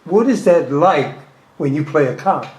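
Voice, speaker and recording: Interview host, man, higher-pitched voice, short questions in a reverberant room. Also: lively intonation, normal speed, a little mellow. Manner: brief interjections and probing questions. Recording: echoey room.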